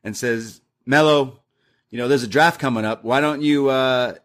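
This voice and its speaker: A young man casually recapping a wrestling show, retelling lines in a lively, animated way. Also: medium pitch, normal speed. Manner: lively recap with acted-out quotes.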